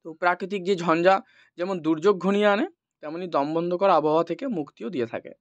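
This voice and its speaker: A man's voice: high voice, fast, no echo. A middle-aged man from West Bengal teaching a school lesson, explaining step by step and thinking aloud with frequent "ah" fillers. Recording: dull dry lo-fi recording.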